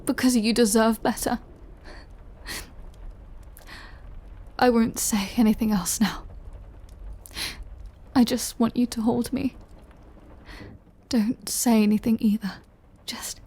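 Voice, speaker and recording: Breathy, slow-speaking immortal vampire woman, acted out by a woman. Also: on the high side, full character voice. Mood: tender, vulnerable. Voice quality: breathy, often half-whispered. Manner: slow, hushed, emotional delivery with long pauses. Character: immortal female vampire lover, lonely, tender, remorseful. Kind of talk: intimate scripted audio roleplay.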